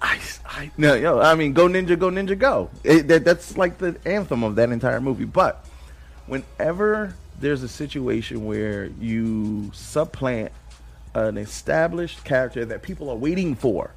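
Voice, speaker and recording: A man's voice: medium pitch, expressive, a little slow, gravelly. A man co-hosting a casual pop-culture podcast, joking around and laughing often. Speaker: podcast co-host.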